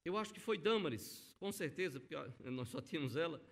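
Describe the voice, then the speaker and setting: A man's voice: a little high, expressive, quick pace, a bit bright. A middle-aged male pastor, preaching a sermon in a church and telling stories with emphatic, acted-out quotes. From Brazil. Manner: storytelling, acting out quoted voices, emphatic. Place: church sanctuary.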